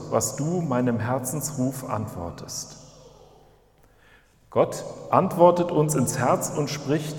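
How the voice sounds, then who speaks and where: A man leading a calm, measured prayer as a pastor in a church service. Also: fairly high pitch. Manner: calm, measured, meditative phrasing. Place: church hall. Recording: roomy hall with long reverb.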